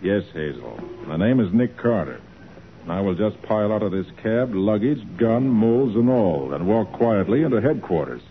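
An actor playing a confident, wry master detective in a 1940s radio drama, cool, assured and teasing. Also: male voice, on the low side, expressive, moderate pace, natural voice. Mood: cool authority. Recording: narrow-band 1940s radio recording, light noise.

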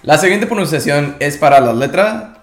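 Guy teaching a language on a podcast, a bit high voice, calm, echoey room, soft music behind. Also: moderate pace. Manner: calm, explanatory.

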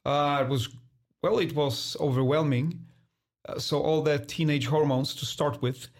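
A man in his forties who grew up in Poland and speaks English as a second language, answering interview questions in a thoughtful, halting way with many restarts. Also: on the high side, steady tone. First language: Polish. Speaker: guest, designer.

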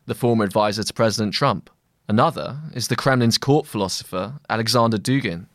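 A man narrating a scripted long-read essay as a journalist, in measured, deliberate phrasing. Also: on the low side, a bit bright, no echo, clean studio sound.

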